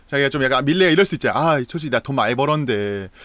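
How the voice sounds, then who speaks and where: A man's voice: mid-range voice, lively intonation, rapid-fire, a bit bright, dry recording. A young man in his twenties hosting a casual streamed talk show, playful and teasing, often laughing. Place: small bedroom, indoors.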